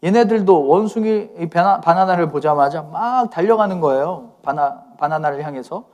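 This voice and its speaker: A man's voice: on the high side, expressive, normal speed, darkish tone. A man pastor giving a conversational youth sermon, often asking his listeners questions.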